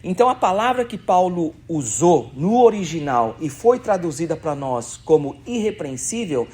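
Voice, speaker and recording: Man preaching with lively pitch. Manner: conversational, emphatic preaching with rhetorical questions. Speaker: pastor. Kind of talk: sermon. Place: church.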